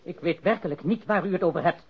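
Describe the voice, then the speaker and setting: An actor playing an evasive, nervous crook in a radio play, indignant and pleading, given to stammering. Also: male voice, high voice, quick pace, husky, exaggerated voice. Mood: flustered, pleading. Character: cornered male crook, protesting his innocence, evasive, nervous. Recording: dull lo-fi radio recording.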